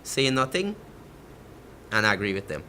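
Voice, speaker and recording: A man's voice: on the low side, sing-song, a little slow, pushed and bright, a little hiss or hum. A man with a Guyanese accent speaks as a fishermen's representative on a talk show, emphatic and passionate.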